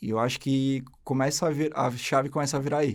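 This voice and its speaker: On a very clean recording with nothing in the background, a man talks at a moderate speed. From southern Santa Catarina, Brazil (Criciúma). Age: 20s. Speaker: medical resident. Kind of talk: podcast interview. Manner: halting, with fillers.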